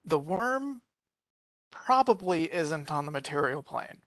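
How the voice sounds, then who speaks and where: A man's voice: fairly high pitch, sing-song, slow pace, a bit bright. A tired man playing a tabletop game, stammering and repeating words. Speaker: player. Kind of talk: casual game table chat.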